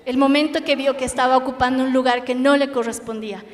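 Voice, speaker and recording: A young woman with a Bolivian Spanish accent preaching a sermon in an earnest, emphatic way with dramatic pauses. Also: high-pitched, fairly even intonation. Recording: echoey hall with faint noise.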